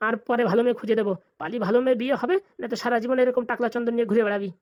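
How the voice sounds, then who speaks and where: Woman playing a fast, blunt old village grandpa. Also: a little high, fairly even intonation, darkish tone, natural voice. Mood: stern, bossy. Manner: scolding, blunt, colloquial. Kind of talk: comic cartoon dialogue.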